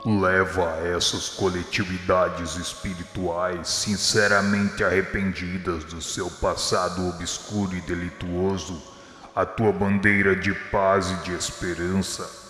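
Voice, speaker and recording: A low-voiced, gentle divine spirit played by a Brazilian man speaks in a religious radio drama. The delivery is very slow and solemn, exhorting, and it rings out in long reverb over music. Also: level tone. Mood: solemn, tender.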